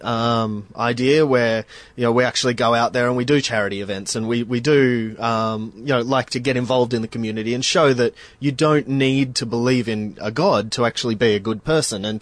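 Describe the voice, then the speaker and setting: A man co-hosts a podcast, stumbling through restarts and "um"s as he gets his thoughts out. His pitch is middling. The sound is close and dry. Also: dry recording. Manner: halting, many restarts and fillers. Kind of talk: casual podcast discussion.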